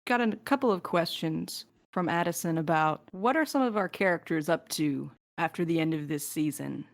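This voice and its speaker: Low-voiced woman on a podcast Q&A. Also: moderate pace. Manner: joking, casually sweary. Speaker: podcast host and crew member. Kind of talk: casual podcast Q&A, reading listener questions.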